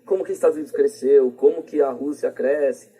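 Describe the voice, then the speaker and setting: A man's voice: medium pitch, steady tone, brisk, dark tone, husky, rough recording. A Brazilian man giving his opinions casually as a podcast guest, in a colloquial, rambling way with frequent tag questions. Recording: plain podcast voice recording.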